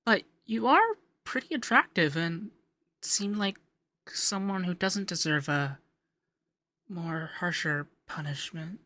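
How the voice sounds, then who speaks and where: Man acting a bright-voiced, coy, effeminate young accountant. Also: high-pitched, animated, slow, exaggerated voice. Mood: flustered, coy. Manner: coy, teasing, lilting, hesitant in places. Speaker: ASMR voice actor. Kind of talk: ASMR roleplay.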